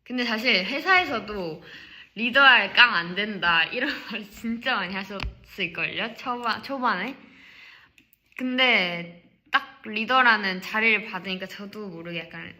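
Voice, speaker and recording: A young woman, leader of an idol group, chatting casually on a livestream, playful and laughing, sometimes dropping to quiet asides. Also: medium pitch, measured pace. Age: young adult.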